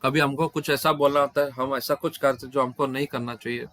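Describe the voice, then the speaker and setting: A man speaking over an online video call, interpreting questions and answers at a devotional scripture class. His voice sits at an ordinary middle pitch. He often stops mid-word and starts the phrase again. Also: steady tone, brisk, a bit bright, dry recording.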